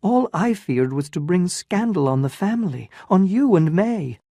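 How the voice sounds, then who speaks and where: A woman's voice: fairly low pitch, very animated, normal speed, warm tone, no echo, studio quality, pitched above the performer's own voice. A reader voicing an anguished, restrained young woman in a dramatized story reading, with emotional, pleading delivery. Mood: distraught.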